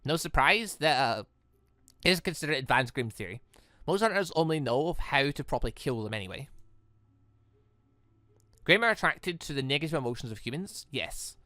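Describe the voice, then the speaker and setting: Bright-voiced man reading game dialogue, stumbling. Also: on the high side, expressive, no echo. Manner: halting, stumbling over words and correcting himself. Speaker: gaming video host. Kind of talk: reading visual novel dialogue aloud.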